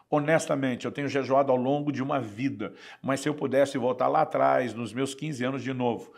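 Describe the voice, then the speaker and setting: Earnest man with a gravelly voice. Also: mid-range voice. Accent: Brazilian Portuguese. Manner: earnest, measured explanation. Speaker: pastor. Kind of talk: teaching sermon with personal testimony.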